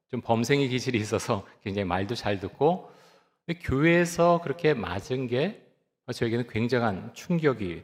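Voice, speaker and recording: Calm male pastor in a reverberant hall. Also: mid-range voice. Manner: calm, reflective storytelling with frequent "ah" and "uh" fillers. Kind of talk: sermon. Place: church sanctuary.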